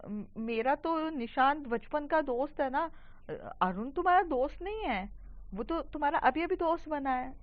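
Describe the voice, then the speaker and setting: A woman's voice: sits high, lively intonation, moderate pace, no echo, dull audio, voice pushed up. A woman voicing a jealous flustered schoolgirl.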